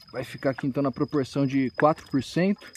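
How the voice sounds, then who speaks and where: A man talks in a fairly high pitch. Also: dry, close sound with no echo. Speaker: agroecologist. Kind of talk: live demonstration. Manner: casual, conversational; speaking softly.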